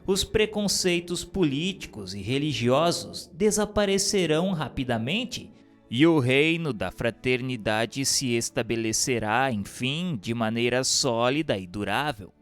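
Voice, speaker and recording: A man's voice: medium pitch, animated, measured pace, soft background music. A man giving a solemn, formal reading of a spiritist text aloud, with occasional stumbles over the words. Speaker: reader.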